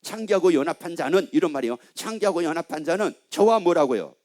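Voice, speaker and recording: A man's voice: a little high, expressive, fast talker, a little mellow. A male pastor preaching a sermon in a church, emphatic and constantly asking the congregation questions.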